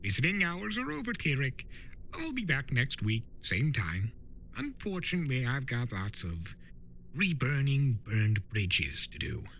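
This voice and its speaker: A man's voice: medium pitch, huge pitch swings, creaky, fairly bright tone, voice pushed up, full character voice. Man performing a spirit of chaos for a fantasy story reading: theatrical, impassioned, stretched words, noisy recording. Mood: breezy, playful. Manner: theatrical, emphatic, drawn-out words. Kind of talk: dramatic fan-fiction reading.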